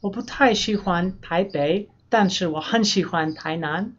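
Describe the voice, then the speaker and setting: An American woman, a young adult whose first language is English, talks casually through a home vlog and names household words one by one in a plain, unhurried way. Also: fairly low pitch, lo-fi sound. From United States. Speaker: language learning vlogger. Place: her room and house.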